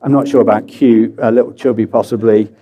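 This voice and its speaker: A British man giving a relaxed, chatty conference talk, full of fillers and self-deprecating asides. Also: fairly low pitch, fairly quick, lo-fi sound. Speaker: conference speaker. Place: conference hall.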